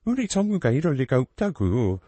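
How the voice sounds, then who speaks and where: A man reads the part of a grieving middle-aged mother in a storybook drama. She pleads and refuses to believe, her mellow voice rising and falling widely. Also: medium pitch, very animated, normal speed, no echo. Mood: pleading. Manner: pleading, disbelieving.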